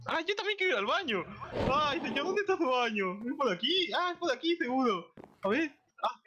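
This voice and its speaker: Very high-pitched, bright young-sounding male gamer. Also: sing-song, fairly quick, slight background noise. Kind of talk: casual roleplay chat while gaming. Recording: dull lo-fi mic.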